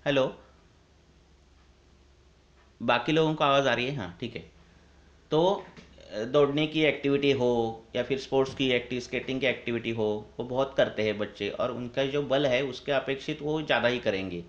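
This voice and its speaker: Man on an echoey, dull call line. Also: mid-range voice. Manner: measured, explaining with frequent hesitations. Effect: echoey call audio. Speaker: Ayurvedic doctor answering questions. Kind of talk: explanatory Q&A on a call.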